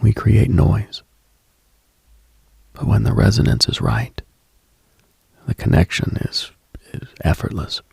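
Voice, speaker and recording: Male late-night host, heavy vocal fry, very dry close sound; intimate, husky, unhurried, contemplative ASMR-style delivery. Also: on the low side, big pitch swings, no room sound. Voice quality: husky, gravelly, breathy. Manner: hushed, unhurried, contemplative, addresses listener directly.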